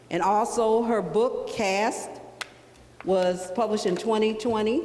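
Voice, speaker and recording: Amid noticeable background noise and audible room echo, a woman speaks at a fairly slow pace with medium pitch and ordinary pitch variation. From Michigan (Ann Arbor). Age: 70s. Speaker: genealogy presenter. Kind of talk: presentation to public meeting.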